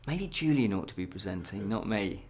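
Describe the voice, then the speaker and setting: A man's voice: lowish voice, animated, moderate pace. A man presenting an informal news show from a script, ad-libbing with self-deprecating jokes and tripping over words.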